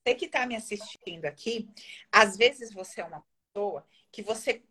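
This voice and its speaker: A woman's voice: medium pitch, moderate pace, pushed and bright, slightly rough. A woman mentor addressing her viewers in an emphatic coaching talk, acting out inner thoughts as she explains. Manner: emphatic, acts out inner voices. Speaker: mentor and host.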